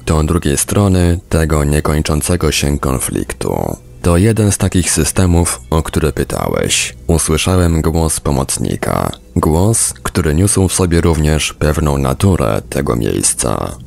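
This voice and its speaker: A man's voice: a bass voice, vocal fry, darkish tone. A man reading a book aloud as scripted narration for a podcast. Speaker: audiobook reader, podcast narrator.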